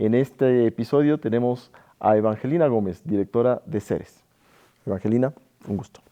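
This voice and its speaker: A man speaks at a moderate pace with long, frequent pauses. His pitch is medium, with ordinary variation. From Ecuador. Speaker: podcast host. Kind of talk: interview.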